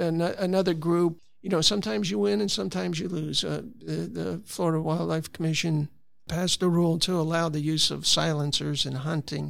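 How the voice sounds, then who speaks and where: A man's unremarkable speaking voice, fairly high in pitch, at a fairly quick pace. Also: ordinary pitch variation. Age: 60s. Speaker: conservation advocate. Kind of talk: interview.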